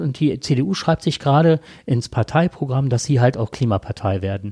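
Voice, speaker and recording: Very wide pitch swings mark a man's somewhat breathy, dark, mellow voice at a moderate pace. The recording is very clean with a silent background and a dry, close sound with no echo. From Germany, Rhineland lignite mining area. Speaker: podcast co-host. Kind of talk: casual chat.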